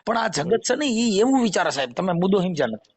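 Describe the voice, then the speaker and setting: A man's voice: high voice, very animated, fast talker, slightly rough. A man with a Saurashtra Gujarati accent in a recorded phone call, arguing insistently and explaining at length. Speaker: caller, former folk shaman. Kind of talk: argumentative phone conversation.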